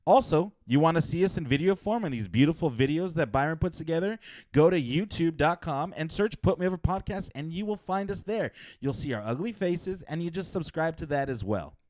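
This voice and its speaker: A man's voice: on the high side, expressive, fairly quick, darkish tone, dry recording. A man hosting a casual podcast, playfully introducing co-hosts and reading sponsor spots. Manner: playful, hyping up guests, joking. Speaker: podcast host. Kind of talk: casual podcast chat and ad reads.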